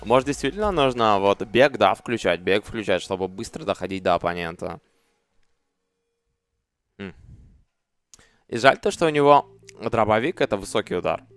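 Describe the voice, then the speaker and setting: Casting: male game streamer, 30s, lowish voice, casual muttered commentary, sweary, faint music behind. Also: animated, normal speed, pauses often, a bit bright, clear, resonant tone, dry recording. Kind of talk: casual live gameplay commentary.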